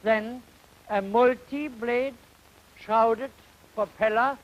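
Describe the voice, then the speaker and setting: A man lecturing in an educational film demonstration, phrasing things haltingly and deliberately and posing questions to himself. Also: very high-pitched, steady tone, lo-fi sound. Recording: noisy 1950 educational film soundtrack.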